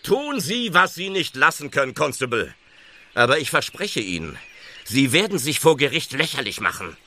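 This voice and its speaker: A man's voice: mid-range voice, very animated, moderate pace, bright, forceful tone, exaggerated voice. An actor playing a burly, devout village man in an audio drama, defiant and fervent in an emphatic way. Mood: assured. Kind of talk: German audio drama acting.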